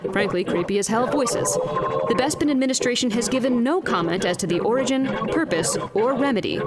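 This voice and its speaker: A woman playing a wry, exasperated field news reporter in an audio drama, speaking in a crisp, pointed broadcast style. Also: on the high side, expressive, a little fast, loud music behind the voice, natural voice.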